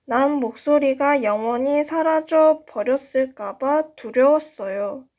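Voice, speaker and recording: A high-pitched woman reads a story aloud at an unhurried pace. She is an amateur narrator who takes care over each sentence. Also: a little mellow. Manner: slow, careful reading with stumbles. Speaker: amateur audiobook reader. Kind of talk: reading a novel aloud.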